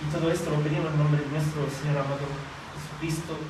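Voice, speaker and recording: A man preaching and praying in a church, born in Italy, halting with many fillers and restarts. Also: a little high, little pitch movement, noisy background. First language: Italian or Filipino language. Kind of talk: sermon and prayer. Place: church hall. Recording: echoey hall, from far off.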